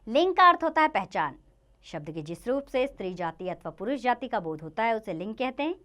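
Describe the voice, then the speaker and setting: A woman's voice: a little high, very animated, a little fast, fairly bright tone. Sing-song woman teaching grammar to children. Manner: reads word lists in a sing-song, rising and falling lilt; addresses children directly. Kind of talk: Hindi grammar lesson narration.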